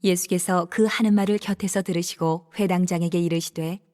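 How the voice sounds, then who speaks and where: Mellow woman narrating scripture. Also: fairly low pitch. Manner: steady, measured reading.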